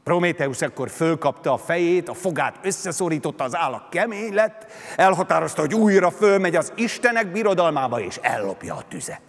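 A man giving a dramatic literary reading of a story, with expressive, sweeping intonation, on a concert hall stage. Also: on the high side, gravelly, hardly any pauses. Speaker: reciting actor.

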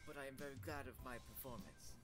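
A player voicing a meek, earnest male student in a quiet, low, mumbled put-on voice while reading a game aloud. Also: level tone, quick pace, soft background music, lightly acted.

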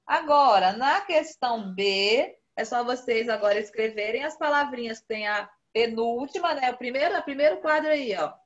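Brazilian woman, high voice, patient grade-school teacher on a slightly muffled video call. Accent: Brazilian Portuguese. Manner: patient, repeats key words slowly for children. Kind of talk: online class instruction.

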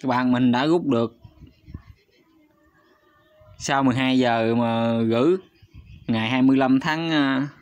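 With a steady, middle-pitched voice that is a little mellow and smooth, a YouTube host guides viewers casually through a screen recording. He speaks unhurriedly with long pauses, is chatty yet hesitant, leans on fillers, and keeps addressing his audience. The sound is slightly dull and lo-fi, without echo.

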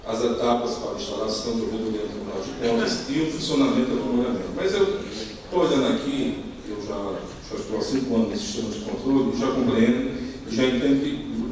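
A man's voice: medium pitch, animated, a crowd in the background. Echoey, distant middle-aged Brazilian man presenting. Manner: halting, repeats words while searching for phrasing. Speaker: conference speaker. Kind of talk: semi-extempore formal presentation. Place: indoor conference hall at a lectern. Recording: echoey hall, distant mic, faint noise.

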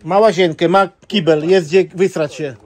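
A man in casual chat, coaxing and repeating things loudly while showing someone around a flat. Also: sits high, moderate pace, soft background music.

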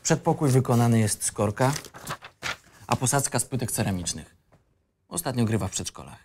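A man's voice: medium pitch, lively intonation, brisk, noisy background, natural voice. An actor playing a disillusioned young man telling his life story in a colloquial, wry, rambling way. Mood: wry, bitter. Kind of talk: first-person narration in a screenplay reading.

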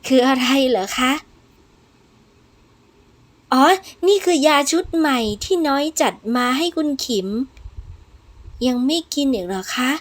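A woman's voice: high voice, expressive, slow pace, pauses often, voice pushed up. Woman playing a timid, polite young maid. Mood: coaxing. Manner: polite, hesitant, soothing. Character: timid young female servant, deferential.

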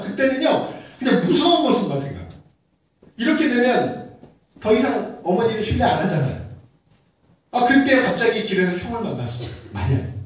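Animated preaching man in echoey church. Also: very high voice. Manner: conversational preaching with rhetorical questions. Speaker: senior pastor. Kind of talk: sermon. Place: church sanctuary. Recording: very echoey church, mic far off.

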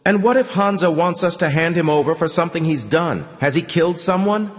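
A man's voice: fairly high pitch, expressive, a little fast, voice pushed up, natural voice. A man putting on a raised voice for a nosy, inquisitive woman. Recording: long hall reverb.

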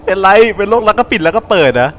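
A man's voice: sits high, animated, rapid-fire, a bit bright, a little hiss or hum. A young man giving casual, crude, joking commentary while playing a horror game, talking back at the game. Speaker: gameplay commentator.

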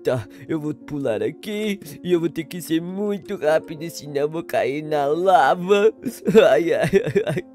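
Sadness, a mopey figure who sighs and drags every word while fumbling through a game, as a man puts her on. The voice sits high and sounds worn down and self-pitying. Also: animated, darkish tone, soft background music. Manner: drawn-out sighs, mopey slow delivery. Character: gloomy self-pitying Sadness, sighing and slow. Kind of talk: gameplay commentary in character.

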